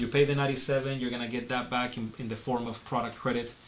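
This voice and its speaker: Talking fairly quickly in a flat monotone, a man with a medium-pitched voice is heard over noticeable background noise and audible room echo. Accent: non-native. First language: not English. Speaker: webinar host, business coach. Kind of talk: live webinar sales presentation. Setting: live online webinar. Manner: casual, filler-heavy.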